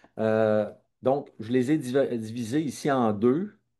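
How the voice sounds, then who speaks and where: Against a quiet background, a man with a dark, mellow tone and medium pitch speaks at a very slow pace with ordinary pitch variation. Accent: Saguenay. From Quebec, Saguenay. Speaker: neuroscience researcher. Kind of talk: lecture. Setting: webinar video call. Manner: halting, many filler sounds.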